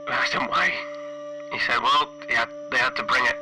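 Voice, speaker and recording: A man playing a weary, guilt-ridden stranded flight engineer, recording a halting, hesitant horror roleplay log with a radio-like sound. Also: mid-range voice, low-quality recording. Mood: wistful. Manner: halting, hesitant, self-questioning. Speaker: solo tabletop RPG player. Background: music.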